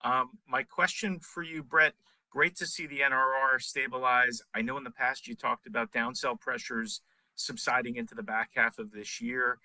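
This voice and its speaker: A man speaking as a financial analyst on an earnings call, asking questions in a halting way with stammered restarts. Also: medium pitch, fairly even intonation, bright, forceful tone, no echo, rough recording.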